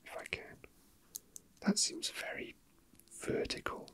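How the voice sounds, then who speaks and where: Whispering man, slow ASMR delivery. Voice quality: soft, breathy whisper. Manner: slow, hesitant, unhurried. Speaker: ASMR video creator. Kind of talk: whispered ASMR, casual chat with read-out facts.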